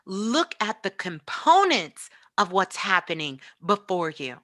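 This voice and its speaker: A woman with a bright, forceful voice speaks as a spiritual teacher. Her delivery is motivational and emphatic, preaching her points and driving them home with repetition. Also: medium pitch, sing-song, slow. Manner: emphatic, preaching, with repeated phrases.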